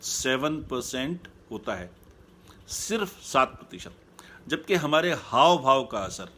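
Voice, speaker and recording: A man speaking as a happiness coach in a live online talk, calm and measured, repeating his key points. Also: medium pitch.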